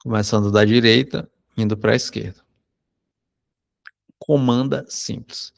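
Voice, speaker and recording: A Brazilian man, a psychology teacher, telling a personal anecdote in a conversational lesson, often tagging sentences with a quick question. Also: fairly low pitch, steady tone, vocal fry. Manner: conversational, frequent tag questions. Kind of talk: anecdote told in a recorded lesson.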